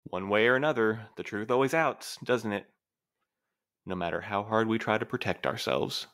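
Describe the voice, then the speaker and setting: A man playing a formal, dry, dutiful postmaster in an audio drama, reserved and earnest with measured, precise wording. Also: fairly low pitch, fairly bright tone. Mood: grave. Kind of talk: scripted audio drama acting.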